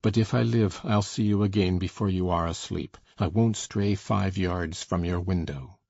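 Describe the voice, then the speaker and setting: An actor playing Heathcliff, a fierce, desperate, brooding man, speaking low and urgent in a dramatized audiobook reading. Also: normal speed, vocal fry, a little mellow, no echo. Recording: dull lo-fi dry recording.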